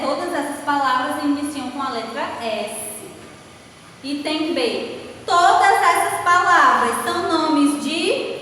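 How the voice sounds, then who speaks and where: A Brazilian Portuguese-accented woman teacher going over a workbook lesson, speaking slowly and clearly and spelling out syllables letter by letter. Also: high voice, sharp tone. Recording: echoey room, far from the mic, faint hiss.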